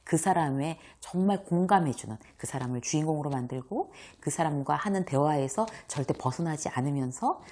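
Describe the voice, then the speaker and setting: A woman hosting her own lesson on speaking well, talking straight to viewers in a lively way and acting out examples with frequent laughs. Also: low-pitched, a little fast, hardly any pauses. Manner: animated, acts out examples, laughs often. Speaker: host and workplace communication coach. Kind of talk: talking-head lecture.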